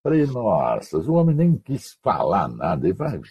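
A radio announcer from Mato Grosso do Sul, Brazil, appears as a guest on an online call, telling slangy, animated anecdotes at normal speed. His voice is very husky, dark, and fairly low, swinging widely in pitch as he acts out the voices of people in his stories.

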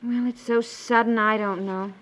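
An actress playing a fond, chatty, hesitant housewife in a naturalistic 1950s radio comedy. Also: female voice, on the high side, steady tone, normal speed, fairly bright tone, close to an everyday voice. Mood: uncertain. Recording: 1950s radio recording, background murmur.

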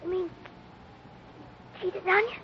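A young performer playing an eager, wide-eyed cowboy boy, earnest and excitable, in 1950s radio drama style. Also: extremely high pitch, takes it slowly. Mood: shocked. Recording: muffled old radio recording, faint noise.

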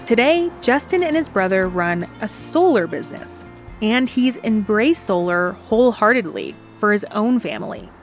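A woman reporter narrating a radio news feature in a clear, steady way. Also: mid-range voice, normal speed, faint music behind.

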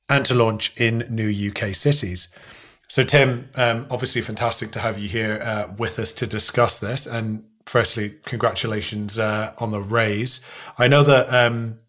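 A man co-hosting a podcast, reading out news stories and putting questions to a guest. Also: mid-range voice. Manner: reads headlines, then questions guests. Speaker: podcast co-host.

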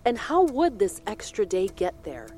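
A woman playing a senator who questions a witness in measured, probing tones in an audio drama. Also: medium pitch, huge pitch swings, dark tone. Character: cool, secretive female senator interrogator.

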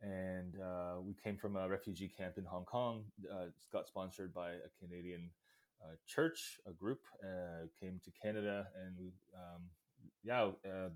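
A man's voice: sits low, steady tone, measured pace. A man from Vietnam speaking as a podcast guest, hesitant and reflective, with many uhs and ums. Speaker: interview guest, real estate investor. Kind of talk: casual interview chat.

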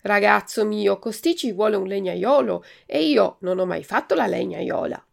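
A woman voicing a slow, calm female snail in a storybook reading, with a gravelly edge. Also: medium pitch. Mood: placid. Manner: unhurried, calm.

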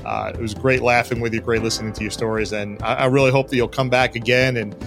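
Podcast host over clear music. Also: male voice, medium pitch, flat delivery, fast talker, a bit bright. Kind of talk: scripted podcast outro.

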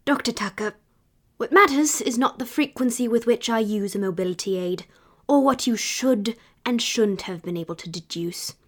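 A woman's voice: on the high side, moderate pace, close to an everyday voice. An actress playing a prickly, guarded reclusive woman novelist in an audio drama, speaking formally and precisely. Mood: guarded, sardonic. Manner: formal, clipped, sardonic, precise.

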